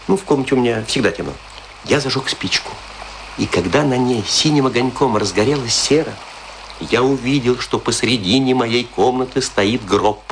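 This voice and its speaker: A man's voice: mid-range voice, a little hiss or hum, natural voice, rough recording. An actor in a radio play voicing a chatty, morbidly wry man with an ironic, theatrical delivery full of rhetorical questions. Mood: spooked, wry. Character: chatty, morbidly wry man musing over death and graves. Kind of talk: theatrical radio play monologue, conversational Russian storytelling.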